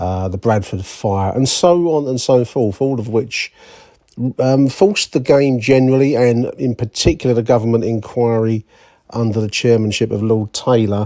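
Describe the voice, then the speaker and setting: A man speaks in a London accent with a dark, mellow tone. His pitch variation is ordinary. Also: medium pitch for a man, moderate pace. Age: 60s. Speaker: football podcast host. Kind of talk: solo podcast monologue. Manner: halting, many fillers.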